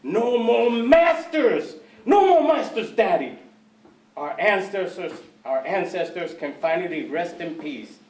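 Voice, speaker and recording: A man's voice: high voice, very animated, slow, a little mellow, pitched above the performer's own voice, full character voice. A man voicing a hopeful young boy with emphatic, rising outbursts in a spoken word poem. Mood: pleading. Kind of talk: spoken word poetry performance. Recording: echoey room, mic from far off.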